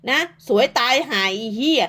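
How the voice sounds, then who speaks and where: A woman's voice: normal speed, fairly bright tone. A woman ranting at rival creators, scolding and insulting them crudely, with repeated short tags. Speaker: online commentator. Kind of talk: profane rant at rival creators.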